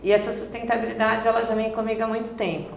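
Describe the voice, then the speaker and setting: A woman's voice: on the high side, flat delivery, fast, reverberant, a little hiss or hum. A woman restaurant owner as an interview guest, answering hesitantly and searching for words with many fillers.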